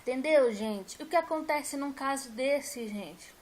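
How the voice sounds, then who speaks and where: A woman's voice: high voice, measured pace. A woman, a teacher, talking casually and emphatically to her viewers and repeating her points. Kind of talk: casual talk to camera.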